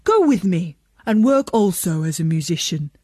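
A woman voicing an old runaway donkey in a children's story, eager to be a musician, with a hearty, drawn-out delivery. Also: fairly low pitch, big pitch swings, warm tone, no echo, studio quality. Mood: hearty, encouraging.

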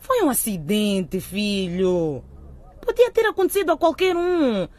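A woman's voice: mid-range voice, very animated, measured pace, a little mellow. A woman playing an emotional, exasperated middle-aged mother of a teenage son in a radio drama. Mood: coaxing.

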